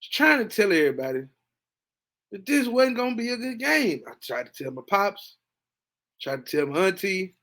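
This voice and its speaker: Guy doing a sports podcast rant, casual and hyped, goes from low muttering to loud high excited bits. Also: normal speed. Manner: animated, swings between low mutters and excited high bursts. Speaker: podcast host. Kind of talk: casual sports reaction monologue.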